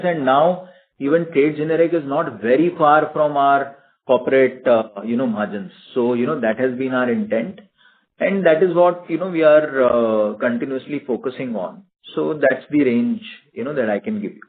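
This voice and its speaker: A man with an Indian accent speaking as a company executive on an earnings call, halting, with frequent filler phrases. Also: medium pitch. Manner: halting, frequent "you know". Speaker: company executive answering analyst questions. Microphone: conference phone call. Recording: narrow tinny phone-line audio.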